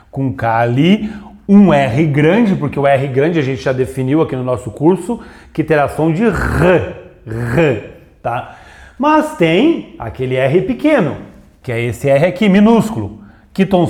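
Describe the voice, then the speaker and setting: A man's voice: fairly high pitch, darkish tone. A man teaching grammar in a video lesson at a board, pointing at examples and checking in with short "right?" tags. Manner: explains with frequent "tá?" and "ó" checks. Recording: roomy echo.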